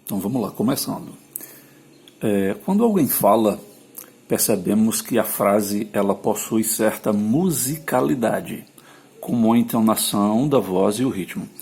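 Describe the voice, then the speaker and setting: A man's voice: fairly low pitch, expressive, a little slow, gravelly, dark tone, husky. A man teaching a grammar lesson, explaining patiently and often checking in with his listeners.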